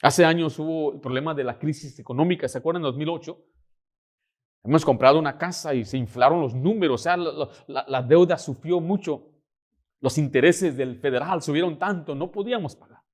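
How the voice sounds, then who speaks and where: A male preacher, telling stories from the pulpit in an animated way. His voice sits a little high for a man, and he jumps between narration and acted-out exchanges. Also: fairly quick. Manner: animated storytelling, acting out dialogue. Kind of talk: sermon with personal story.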